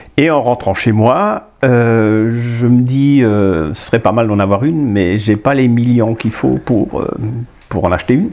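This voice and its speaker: Ordinary pitch variation marks this man's speech. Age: 60s. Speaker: sculptor. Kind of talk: interview. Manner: hesitant, many fillers and repetitions.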